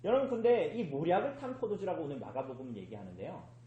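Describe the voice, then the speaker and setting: A man's voice: a little high, sing-song, quick pace, mellow, roomy sound, poor audio. A man preaching a sermon as pastor in a church, who keeps asking the congregation questions and then answering them himself. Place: church sanctuary.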